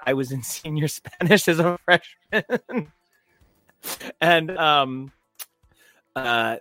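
With no room sound in the recording, a mid-range male voice comes through as he co-hosts a pop culture podcast. He's animated, gushing about shows in casual chat and leaning heavily on fillers.

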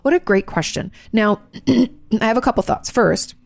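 A woman's voice: fairly high pitch, normal speed, creaky, dry recording, clean studio sound. A congested woman hosting a podcast, frankly answering listener questions in casual advice talk, full of fillers and restarts. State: congested, clearing her throat.

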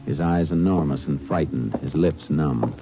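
A man playing a steady, shrewd Texas Ranger in an old radio drama, with an American accent. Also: a bass voice, normal speed, over music. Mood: grave narration. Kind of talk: 1950s radio drama acting. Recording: dull, muffled old radio broadcast.

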